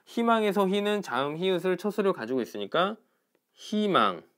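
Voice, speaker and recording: Male teacher, online class lecture, lively rising and falling voice, checks in with students, step-by-step explanations. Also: high voice, quick pace. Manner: explains step by step, asks "알겠죠?" and "그쵸?" after each point. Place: indoors, recording alone for an online class.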